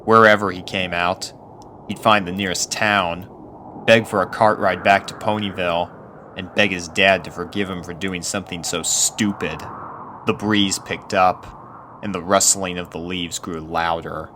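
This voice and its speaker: A man's voice: low-pitched, steady tone, unhurried, sharp tone, slight background noise. A man reading a spooky story aloud as a scripted narrator.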